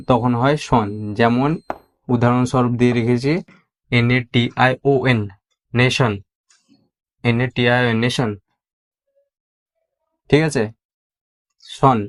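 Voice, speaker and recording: Flat-voiced Bengali man teaching English. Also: mid-range voice. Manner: explains slowly, spells out letters one by one and repeats words. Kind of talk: spoken English lesson.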